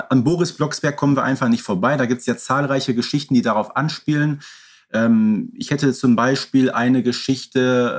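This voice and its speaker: Male co-host, husky edge, medium pitch, casual and explanatory conversational delivery. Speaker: podcast co-host. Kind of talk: casual podcast conversation about audio dramas.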